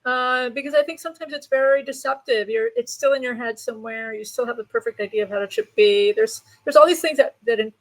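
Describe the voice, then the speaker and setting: A woman with a fairly high voice leads an interview. She talks in a thoughtful, searching way and sometimes restarts a word as she finds her phrasing. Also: fast talker, few pauses, low-quality recording. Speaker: interview moderator. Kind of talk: conversational interview.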